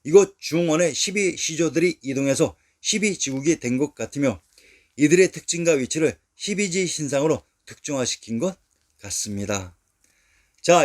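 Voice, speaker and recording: A man narrating a scripted history lecture, reading out place names and old sources in a steady, measured way. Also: on the high side.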